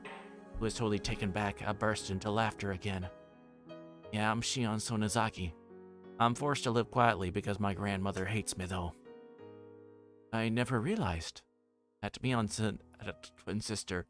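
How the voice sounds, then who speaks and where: Low-voiced man reading aloud over music. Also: fairly even intonation, normal speed, long pauses, a bit bright. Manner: voices characters' dialogue while reading. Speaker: livestreamer reading a visual novel aloud. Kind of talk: live read-aloud narration with asides.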